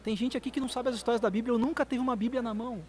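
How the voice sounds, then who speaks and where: A Brazilian man with a high-pitched voice tells stories as a guest on a podcast. He talks with feeling and comes out in quick bursts, his accent clear throughout. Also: steady tone. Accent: Brazilian Portuguese. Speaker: missionary guest. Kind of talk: podcast conversation.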